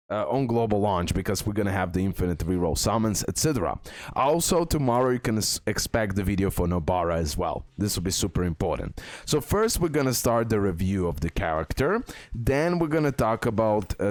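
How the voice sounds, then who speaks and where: A man's voice: fairly low pitch, no room sound. A man presenting a game guide as a video host, repeating key points for emphasis. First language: not English.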